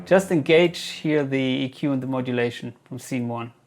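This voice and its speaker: A man giving a casual gear Q&A as a reviewer, speaking haltingly as he thinks aloud. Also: medium pitch, faint music behind. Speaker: guitar gear reviewer answering viewer questions. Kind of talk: casual product Q&A talk.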